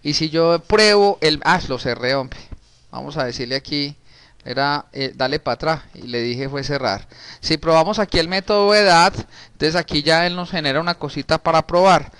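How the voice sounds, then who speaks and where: Man, thirties, casual coding lesson, smooth clear voice, dry close mic. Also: on the high side, normal speed, a bit bright, dry recording. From Colombia. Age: 30s. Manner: casual, talks while typing, frequent restarts and diminutives. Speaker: programming teacher. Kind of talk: recorded screen-share coding lesson.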